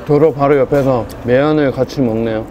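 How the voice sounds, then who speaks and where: A man's voice: medium pitch, fairly even intonation, brisk, lo-fi sound. A man talking between bites of food as he eats beside a road and murmurs casual vlog asides. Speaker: vlogger, designated driver. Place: outdoors beside a busy road. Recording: loud street noise.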